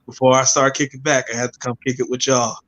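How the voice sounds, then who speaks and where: A man co-hosting a podcast in casual chat, relaxed and joking as he tells stories. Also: medium pitch, fast talker. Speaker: podcast co-host.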